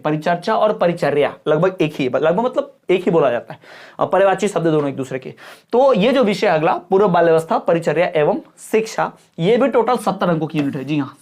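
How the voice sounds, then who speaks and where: A woman teacher giving an exam-prep lecture, often asking if things are clear and adding up marks aloud. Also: on the low side, darkish tone.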